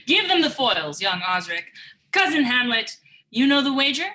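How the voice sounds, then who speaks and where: A scheming stage monarch acted by a woman, high-pitched and forceful. The king speaks Shakespearean verse with ceremony and command, as if ordering a whole court about. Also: big pitch swings, normal speed, exaggerated voice, low-quality recording. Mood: courtly. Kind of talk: dramatic reading of Shakespearean verse.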